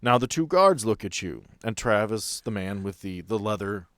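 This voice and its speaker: Low-voiced man running a tabletop game. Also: lively intonation, moderate pace, a bit bright, no echo. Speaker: game master. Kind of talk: narrating a tabletop roleplaying game, casual.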